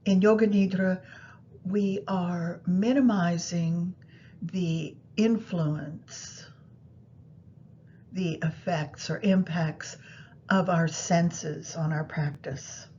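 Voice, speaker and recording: A woman guiding a meditation practice in a soothing, unhurried manner, pausing between phrases. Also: fairly even intonation, dark tone. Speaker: yoga nidra meditation guide. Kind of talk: guided meditation instruction. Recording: muffled, low rumbling background noise.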